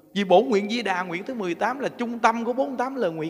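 The speaker is a man. He swings his pitch very widely. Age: 60s. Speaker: Buddhist teacher giving a dharma talk. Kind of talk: dharma talk. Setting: temple hall with audience.

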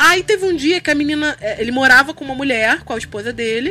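Over noticeable background noise, a woman with a high pitch uses a raised, projected voice and lively intonation. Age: 20s. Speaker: social scientist. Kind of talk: casual chat.

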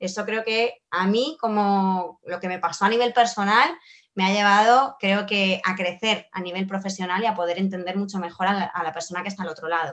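A plain, everyday voice from a woman, medium in pitch, with ordinary pitch variation and a fairly quick pace. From Spain, raised from childhood after birth in Argentina. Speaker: nutritionist. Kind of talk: interview.

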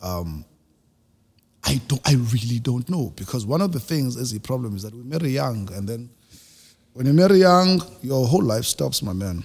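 A man with a South African accent speaks at medium pitch and a moderate pace, with very wide pitch swings and big swings in loudness. Long, frequent pauses break up his speech in a very clean recording with a silent background. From South Africa, Eastern Cape (Mdantsane). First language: isiXhosa. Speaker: musician and radio personality. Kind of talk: casual chat. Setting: studio.

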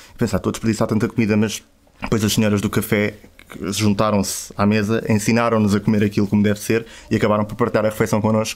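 Speaking at a very fast pace, a man uses a fairly low pitch and monotone, flat intonation. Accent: European Portuguese. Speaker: traveller. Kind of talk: casual chat.

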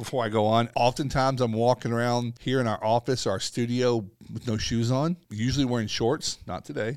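A man in a normal speaking voice talks at a fairly quick pace with hardly any pauses, medium pitch and fairly even intonation. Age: 50s. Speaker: podcast host and business coach for restoration contractors. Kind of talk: casual solo podcast monologue. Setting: studio.

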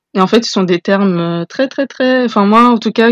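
Ordinary pitch variation in a dry, close sound with no echo, over a quiet background. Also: woman. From France. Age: 20s. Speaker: vegan entrepreneur and Instagram creator. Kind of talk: casual interview. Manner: hesitant, many fillers.

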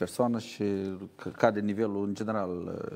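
This man's voice sits fairly low in pitch and has a dark, mellow tone. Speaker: member of parliament. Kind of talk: heated debate. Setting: studio.

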